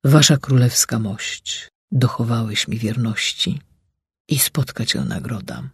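A man voicing a steadfast, dignified male servant, speaking solemnly and measured, with a husky voice. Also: mid-range voice, lively intonation, no echo, clean studio sound, full character voice.

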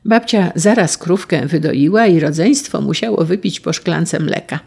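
Gravelly, husky storybook narrator. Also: mid-range voice, moderate pace, darkish tone. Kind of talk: storybook audiobook reading.

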